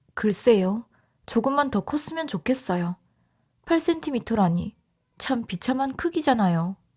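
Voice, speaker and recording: A somewhat breathy, soothing tone at a very slow pace with very wide pitch swings. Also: woman. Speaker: audiobook narrator. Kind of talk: children's story audiobook reading. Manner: soft, soothing.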